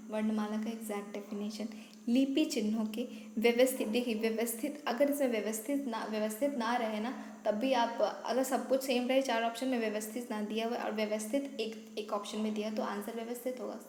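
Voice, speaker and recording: A woman's voice: a little high, a little mellow. A woman teaching a basic Hindi grammar lesson for exam preparation, explaining step by step and checking in with "ठीक है", and apologizing now and then for her own pronunciation. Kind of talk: online exam-prep lesson. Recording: echoey room with faint ambient noise.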